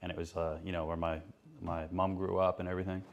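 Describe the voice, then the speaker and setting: Low, gravelly laid-back man. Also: little pitch movement, dull audio. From Canada. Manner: laid-back, halting storytelling with many ums. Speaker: podcast guest. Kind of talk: casual chat, telling a ghost story.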